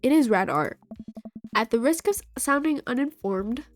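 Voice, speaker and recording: In an animated voice on the high side, a young woman with a cold plays through a dating game for her gaming video, reading it aloud and voicing every character in her own voice. She speaks at normal speed, with no room sound and faint game music behind.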